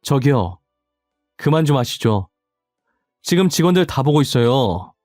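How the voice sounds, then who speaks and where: A man's voice: medium pitch, big pitch swings, unhurried, darkish tone, dry recording, studio quality, faint music behind. A man voicing a composed boyfriend who is also the boss, speaking firmly and formally. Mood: stern. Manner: firm, formal.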